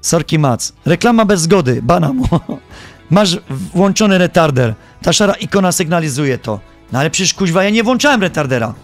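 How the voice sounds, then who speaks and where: Lively high-voiced man streaming gameplay. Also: moderate pace, faint music behind. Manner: animated, joking, playfully exasperated. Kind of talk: live gameplay commentary.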